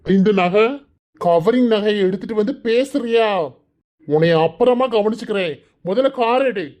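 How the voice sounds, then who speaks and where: A man voicing a nervous male jewel thief in a cartoon, talking in a hurried rush with a Kanyakumari Tamil accent. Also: high-pitched, a little mellow, lightly acted. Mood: panicky. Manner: hurried, anxious, rapid.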